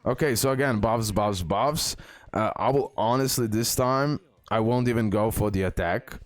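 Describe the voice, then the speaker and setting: A man giving casual, excitable gameplay commentary, repeating words and talking straight to his viewers. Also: fairly low pitch, normal speed. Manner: excitable, repetitive, addresses viewers directly. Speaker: gaming content creator, host. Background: music.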